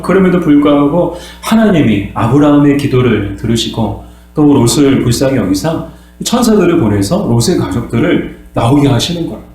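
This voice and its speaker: A man's voice: medium pitch, darkish tone. A male pastor giving a sermon, posing questions to the congregation and answering them himself, and sometimes acting out voices. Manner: acts out voices and cries dramatically. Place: church sanctuary. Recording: very echoey room with mains hum.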